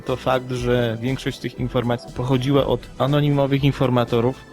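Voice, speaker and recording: Analytical man with a mid-pitched voice. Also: flat delivery, normal speed, a little mellow, faint music behind. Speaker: podcast co-host, commentator. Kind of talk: explanatory conversational commentary.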